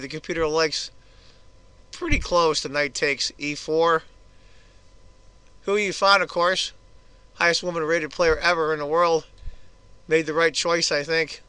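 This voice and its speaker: A hoarse man giving casual, chatty move-by-move commentary on a chess game for his video channel. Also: a little high, pushed and bright, dry recording.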